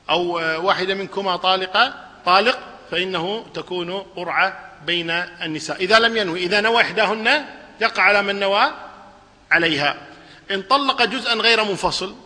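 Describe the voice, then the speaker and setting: High, bright-voiced man teaching in a hall. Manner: lively, asks the class questions and answers them. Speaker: Islamic scholar teaching a lesson. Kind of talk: religious lesson, explaining a text.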